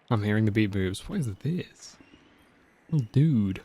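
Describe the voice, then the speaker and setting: A man's voice: fairly low pitch, takes it slowly, background noise. Laid-back male game streamer. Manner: relaxed, amused reactions with frequent laughs. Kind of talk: casual gameplay commentary. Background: game music.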